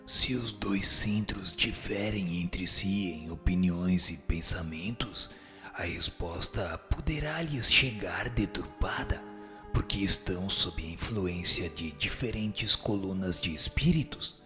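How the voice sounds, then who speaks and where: Radio drama: male actor as wise Brazilian spirit, solemn and didactic, very measured pace, low register. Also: pushed and bright, faint music behind, exaggerated voice. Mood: solemn, instructive. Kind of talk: scripted radio drama reading of spiritist teaching.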